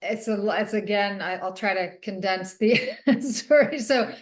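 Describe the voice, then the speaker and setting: A woman's voice: medium pitch, measured pace. Thoughtful middle-aged woman, roomy studio. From Northern California. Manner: thoughtful, many ums and soft laughs. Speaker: author. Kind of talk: interview answers. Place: radio studio.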